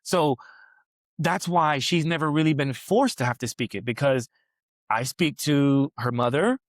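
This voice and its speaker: A forties-aged man hosting a podcast speaks unhurriedly in a voice on the high side, recorded studio quality with no room sound. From a New York City massage table, he wanders through a long personal story in a casual interview, often finishing with "right?"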